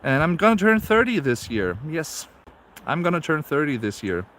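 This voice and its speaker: His voice is fairly high and sing-song, a bit bright, at normal speed, with a little hiss or hum behind it. He's a German-accented man in his late twenties, live streaming casually as he walks in the snow, voicing viewer comments and using frequent fillers and repeats.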